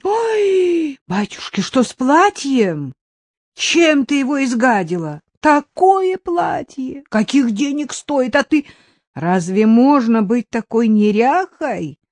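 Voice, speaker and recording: A woman's voice: sits high, big pitch swings, slow pace, darkish tone, dry recording, pitched above the performer's own voice, exaggerated voice. A woman voicing a grumbling old peasant housekeeper with folksy, scolding speech, in a storybook reading.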